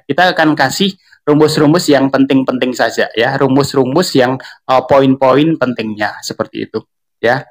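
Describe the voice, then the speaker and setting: Central javanese guy on a live stream, young, chatty, lots of fillers, keeps calling out to viewers. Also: medium pitch. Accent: Central Javanese Indonesian. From Central Java. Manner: chatty, filler-heavy, addresses viewers often. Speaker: online tutor and streamer. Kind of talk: casual live-stream talk.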